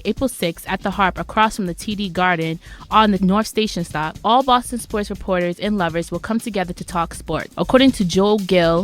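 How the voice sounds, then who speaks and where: A woman reading scripted news and announcements as a college radio reporter. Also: mid-range voice.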